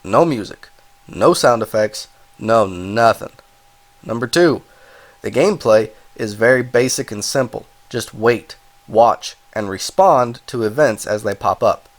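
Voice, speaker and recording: A man's voice: fairly low pitch, unhurried. Stuffed-up man reviewing a game. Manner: rambling, self-correcting, apologetic asides. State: stuffed up from a cold. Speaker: game reviewer, channel host. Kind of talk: casual spoken game review.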